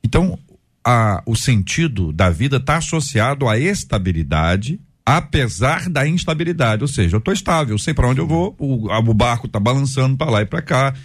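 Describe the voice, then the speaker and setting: Male host with an animated, swinging pitch, reflective and full of imagery. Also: normal speed, breathy edge. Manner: reflective, uses vivid imagery. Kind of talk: Christian radio discussion panel.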